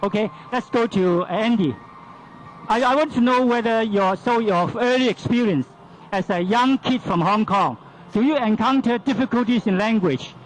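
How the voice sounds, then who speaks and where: High-voiced man moderating a panel. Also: normal speed, slight background noise, rough recording. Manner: questioning, ends lines with "huh?". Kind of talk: panel discussion.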